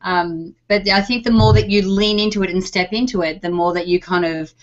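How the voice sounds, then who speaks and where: A woman's voice: mid-range voice, steady tone, a little fast. A woman hosting an interview show, talking casually with lots of fillers. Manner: warm-up chatter with many fillers like um and you know. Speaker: show host. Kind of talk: conversational interview. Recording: dull lo-fi recording.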